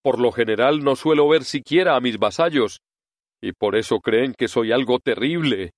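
A man's voice: mid-range voice, normal speed, dry recording, studio quality, lightly acted. A man voicing a timid, bald old male wizard who is a fraud, speaking in a shaky, pleading voice. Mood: humble explaining. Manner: trembling, pleading voice.

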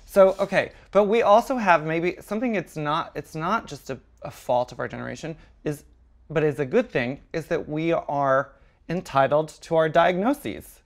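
Gravelly young adult guest, meandering. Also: mid-range voice, normal speed. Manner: meandering, hesitant, self-deprecating. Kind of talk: casual comedic chat.

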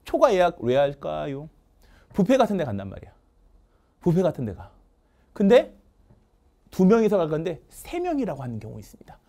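A man teaching English vocabulary in a lively lecture, drilling words call-and-response and joking with his producer. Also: fairly high pitch, normal speed, gravelly, pauses often. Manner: call-and-response drilling, asks "됐습니까?" often; jokes with the producer off camera.

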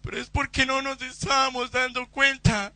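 A man preaching a Pentecostal sermon in church, fervent and rising to shouts during prayer, on a close microphone. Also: very high voice, flat delivery, normal speed, no echo. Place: church service.

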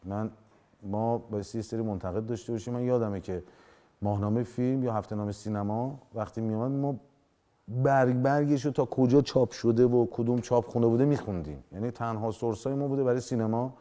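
Speaking in a dark-toned, mid-range voice, a man in his forties sits as an actor guest for a studio interview on a dimly lit television set, wearing a lapel mic. He makes his case with animated emphasis, hands moving, performing any lines he quotes.

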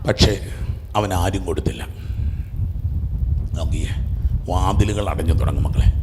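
A Catholic priest, preaching a fervent call-and-response sermon, repeating phrases, leading the crowd in shouts, and dropping to a hush. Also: male voice, low voice, normal speed. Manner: repetitive, urges the crowd to shout back, swings from loud to hushed. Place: large church. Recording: echoey church hall with background noise.

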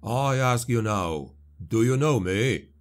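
Man voicing Grimaldus, scornful armored chaplain. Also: expressive. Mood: rousing. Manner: slow, booming, scornful. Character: armored male warrior-chaplain, contemptuous, commanding. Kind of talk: audiobook character voice.

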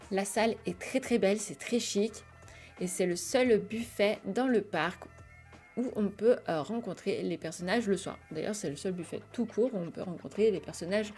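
Woman vlogger, casual chatty voice-over, mid pitch, soft music bed. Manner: chatty, many fillers and restarts. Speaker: vlogger reviewing restaurants. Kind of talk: voice-over review, partly read descriptions.

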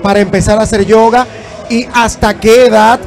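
Upbeat high-voiced male TV host. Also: flat delivery, darkish tone. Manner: upbeat, quick questions, repeated "ok". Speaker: TV show host. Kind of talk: TV interview hosting. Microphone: handheld microphone.

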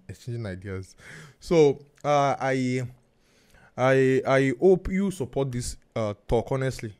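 A man with a Nigerian accent hosting a podcast interview, speaking haltingly with many restarts and fillers. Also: mid-range voice, a little mellow. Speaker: podcast host.

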